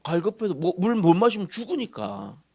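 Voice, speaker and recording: A male pastor preaching a sermon in a church, posing questions to the congregation and answering them himself, moving from loud emphasis to soft murmurs. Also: high voice, big pitch swings, moderate pace, gravelly, slightly rough. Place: church sanctuary.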